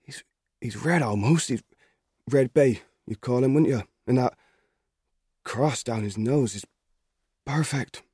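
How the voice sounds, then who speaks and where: A man's voice: medium pitch, takes it slowly, long pauses, slightly rough, no echo, clean studio sound, pitched above the performer's own voice. A man voicing an eager, earnest thirteen-year-old farm boy in a storybook reading. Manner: excited, gentle, earnest. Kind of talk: audiobook character voice.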